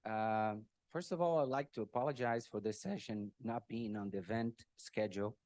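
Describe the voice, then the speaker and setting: A middle-aged man from Brazil, a native Portuguese speaker, gets emotional while giving a personal birthday tribute speech laced with jokes. His voice is fairly low and darkish, with fairly even intonation at normal speed, and he often clears his throat and makes fun of himself.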